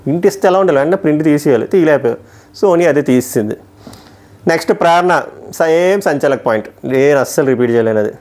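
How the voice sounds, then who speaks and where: A man's voice: a little high, lively intonation, a little mellow. A man giving a casual, emphatic review of a TV episode and weighing each point with strong opinions. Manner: emphatic, opinionated, quickly switching between points. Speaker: TV show reviewer.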